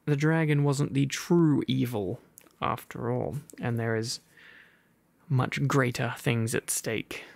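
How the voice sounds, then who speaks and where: Soft-spoken British RP man, ASMR boyfriend, sleepy and overfull, unhurried, dry close sound. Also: medium pitch, fairly even intonation, creaky, no echo. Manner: drowsy, soft and playful, with gentle whispers. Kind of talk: soft ASMR storybook reading and pillow talk.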